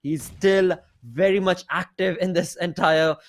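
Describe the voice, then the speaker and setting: A man's voice: high voice, a little slow, dry recording, studio quality. A man doing play-by-play esports commentary as a caster, in long, wordy running sentences. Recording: clear background noise, game gunfire. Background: video game gunfire.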